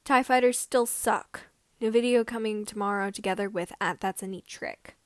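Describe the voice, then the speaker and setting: A woman's voice: mid-range voice, normal speed, dry recording, clean studio sound, natural voice. A woman voicing an earnest, cheeky young male pilot in a fan fiction reading. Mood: wry, cheeky. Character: earnest, bewildered farm boy turned cheeky young pilot.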